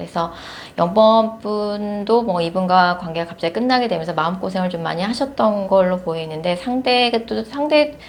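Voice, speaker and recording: This woman's intonation is lively, her pitch medium. She keeps a moderate pace. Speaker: tarot reader. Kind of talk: general tarot reading. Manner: many fillers and hesitations.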